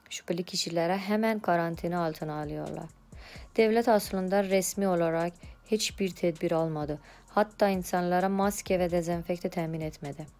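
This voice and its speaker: Iranian-accented woman, lowish voice, broken Turkish. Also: a little mellow. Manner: foreigner's broken Turkish with grammatical slips.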